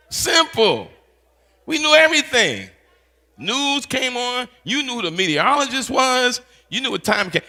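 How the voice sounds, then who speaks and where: A pastor in his fifties, talking in a playful, animated way and teasing his audience with quick call-outs. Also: high-pitched. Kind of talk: playful teaching session talk.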